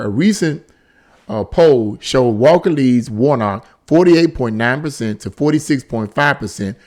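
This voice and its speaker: A man's voice: medium pitch, darkish tone. A man giving unscripted, opinionated political commentary on the news, exasperated, with stammering restarts and phrases repeated for emphasis.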